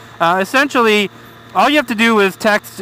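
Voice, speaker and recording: A man's raised, projected voice at a fairly quick pace, with light background noise. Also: dry sound with no echo. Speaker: motovlogger. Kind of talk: casual vlog chat. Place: motorbike. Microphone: helmet.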